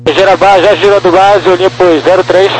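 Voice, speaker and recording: A Brazilian man gives short pilot reports over aircraft radio. His voice is fairly high for a man, with a faint hum on the transmission. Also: steady tone, brisk, rough recording.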